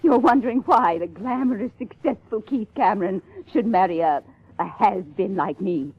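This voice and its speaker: A woman playing an aging, passionate stage actress in a 1950s-style detective radio play, theatrical and halting. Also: medium pitch, breathy edge, lightly acted. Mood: passionate, defensive. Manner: theatrical, halting with emphatic repetition. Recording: lo-fi radio drama, faint music.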